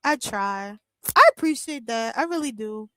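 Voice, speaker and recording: A woman in her thirties hosts a live watch-along stream, talking casually and playfully with her viewers. Her voice sits a little high, and the sound is close and dry, as if she is right at a desk mic. She keeps up a loose, joking patter full of fillers. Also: lively intonation, moderate pace, fairly bright tone, smooth, dry recording, rough recording. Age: 30s. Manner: playful, joking, laughs often, lots of fillers. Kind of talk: casual live-stream chat reading comments.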